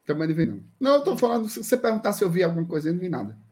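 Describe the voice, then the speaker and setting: A man with a slightly high voice co-hosts a casual live fan show. He keeps up a light, joking back-and-forth with his partner. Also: sing-song, racing, a little mellow, slightly rough. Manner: joking banter. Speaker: co-host. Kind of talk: casual live-stream chat.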